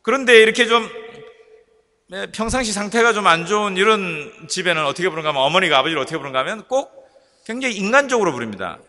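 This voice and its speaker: A man's voice: high voice, quick pace. A male pastor preaching a sermon and telling stories that he jokes about with the congregation. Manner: animated storytelling preacher, joking with the congregation. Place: church sanctuary. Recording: echoey church hall.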